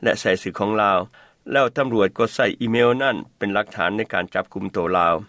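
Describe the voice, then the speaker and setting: A man reads a news voice-over in a somewhat low voice. His delivery is steady and formal, and the recording is dry and close. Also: quick pace, no room sound. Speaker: news narrator.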